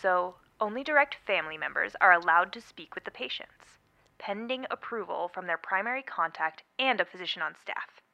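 A woman's voice: lowish voice, animated, a little fast, creaky, sharp tone, full character voice. A woman playing a curt, bored hospital receptionist, heard through a telephone filter. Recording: tinny phone line.

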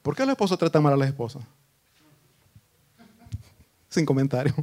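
A man preaches a sermon in a high-pitched voice. He rises into emphatic, repeated phrases and then drops into low, quieter asides. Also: expressive, normal speed. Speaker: pastor.

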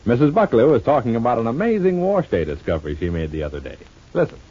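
Old-time radio announcer, a lively man. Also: mid-range voice, quick pace, breathy edge. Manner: emphatic, selling. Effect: old radio broadcast. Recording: dull lo-fi old radio recording, faint music.

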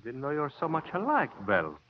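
A man's voice: a little high, wildly swooping pitch, quick pace. A man playing a menacing shooting-gallery owner in a 1950s radio drama, gloating in broken English. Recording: dull old radio broadcast, faint hiss.

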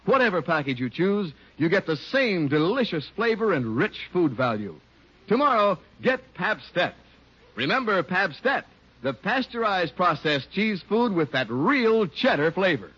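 A male announcer delivering a 1950s radio commercial in a smooth, selling tone. His voice is high and breathy, with lively pitch. The sound is muffled, like an old radio broadcast. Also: unhurried. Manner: smooth, salesy.

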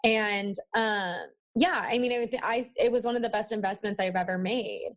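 A woman's voice: mid-range voice, steady tone, normal speed. Young woman with a valley-girl delivery. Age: 20s. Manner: peppers talk with "like" and "you know". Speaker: interview guest, marketing agency owner. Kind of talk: casual podcast interview chat.

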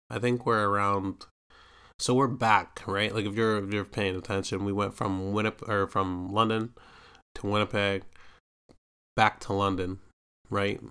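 In a casual storytelling monologue, a young Canadian podcast host rambles about something personal, swearing and tossing in filler tags while animatedly acting out what others said. His lowish voice is bright, forceful, and clean.

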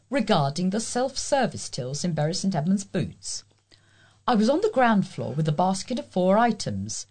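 A woman's voice: fairly low pitch, a little mellow, slightly rough. A woman with a British accent reading scripted local news and letters as a volunteer newsreader. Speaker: volunteer newsreader for a talking newspaper.

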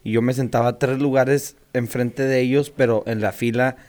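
Young Mexican guy, casual storyteller, slangy and animated. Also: medium pitch, normal speed. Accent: Mexican Spanish. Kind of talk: casual chat, telling a school story.

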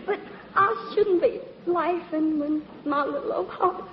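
An actress playing a movie star who puts on a coy, flirty Southern belle act with a put-on American Southern accent. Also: female voice, extremely high pitch, measured pace, slight background noise. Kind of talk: 1940s radio comedy acting. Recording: echoey, lo-fi old radio broadcast.

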